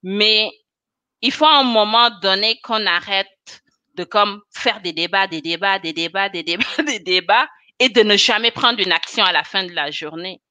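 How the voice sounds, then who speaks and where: Bright-voiced woman on a video call. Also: mid-range voice, moderate pace, smooth, no echo. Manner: animated, expressive, laughs often. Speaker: guest, chemist and cosmetics consultant. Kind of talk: casual video-call interview. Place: small room indoors. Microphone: webcam on a video call.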